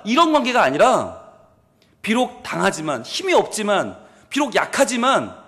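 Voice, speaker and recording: A man, a pastor, preaching a sermon in an animated storytelling way, acting out the people in his stories and asking the congregation questions he answers himself. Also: very high-pitched. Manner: animated storytelling, acts out quoted speakers. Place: church sanctuary. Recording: long hall reverb.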